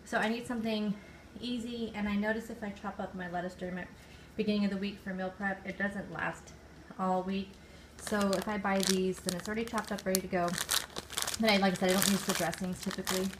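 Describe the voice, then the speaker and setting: A woman's voice: mid-range voice, steady tone, a little fast, noisy background. Chatty woman with crinkling bags. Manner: chatty, lists items and point values, self-corrects. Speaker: vlogger. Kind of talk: casual grocery haul show-and-tell. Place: home kitchen table. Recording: loud crinkling bags near the mic.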